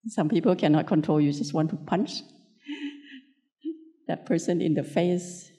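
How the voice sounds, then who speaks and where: A woman from Thailand with a Thai accent, a Buddhist nun giving an unscripted spiritual talk in gentle, short, simply worded phrases. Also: deep voice, measured pace.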